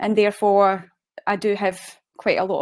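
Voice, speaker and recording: In a Scottish accent, a woman of medium pitch speaks with flat, monotone intonation. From Scotland. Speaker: engineering software consultant. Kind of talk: webinar presentation. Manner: hesitant, many fillers.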